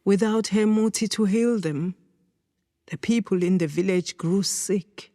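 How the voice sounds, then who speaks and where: An actress playing a grave granddaughter of healers, telling her story in a measured, emphatic way. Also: medium pitch, warm tone, no room sound, studio quality, lightly acted. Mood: solemn, mournful. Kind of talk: dramatic storytelling monologue.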